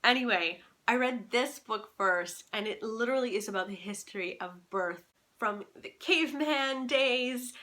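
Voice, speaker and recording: Bright-voiced young woman chatting. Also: a little high. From Canada. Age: young adult. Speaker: book vlogger. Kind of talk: casual chat to camera, book recommendations.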